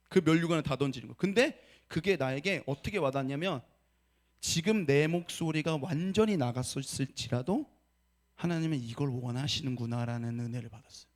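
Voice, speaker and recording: A young man preaching a sermon as a pastor, telling stories with animated, acted-out dialogue. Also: high voice. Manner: animated storytelling preaching, acting out his own past words. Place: church sanctuary.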